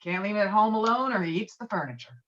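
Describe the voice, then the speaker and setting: A woman's voice: medium pitch, fast, fairly bright tone, muffled recording, close to an everyday voice. A woman acting a belligerent, rule-obsessed middle-aged male bowler in a script read, emphatic, self-righteous and foul-mouthed. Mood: irritated, insistent. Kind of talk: acted table read of a film script.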